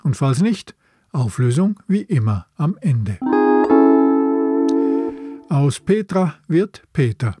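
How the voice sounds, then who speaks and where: A man's voice: a little high, sing-song, slow pace, long pauses, over loud music. A man hosting a film podcast, presenting from a script. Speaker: podcast host.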